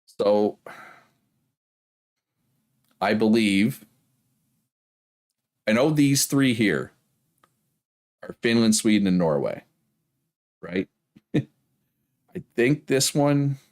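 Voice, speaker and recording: Deep-voiced man with Prince Edward Island accent. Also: expressive, drawn-out words, pauses often, a little mellow. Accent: Prince Edward Island Canadian. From Prince Edward Island, Canada. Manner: rambling, often checks with "right?". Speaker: game livestreamer. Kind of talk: casual livestream chat with viewers.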